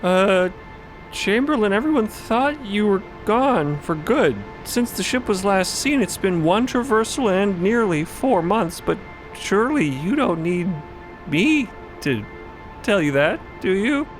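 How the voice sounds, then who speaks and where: Timekeeper officer: male actor playing a nervous, deferential functionary, high-pitched and lively, formal but halting, audio drama over music. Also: poor audio. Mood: uneasy, puzzled. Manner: hesitant, stammering, formal. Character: flustered, deferential timekeeper officer giving hesitant reports.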